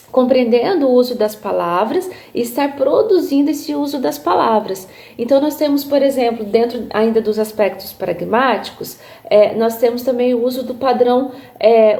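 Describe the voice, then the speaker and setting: A woman's voice: a little high, dark tone. A woman music therapist with a Brazilian accent, giving a live online lecture over a phone stream in an explanatory way, tagging her sentences with little checks. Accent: Brazilian Portuguese. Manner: demonstrates intonations with her voice. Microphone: phone livestream.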